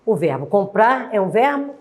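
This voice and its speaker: A woman with a Brazilian Portuguese accent teaching a grammar lesson to adult students, spelling out examples slowly and deliberately. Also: mid-range voice, big pitch swings. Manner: slow and deliberate, dictating examples word by word.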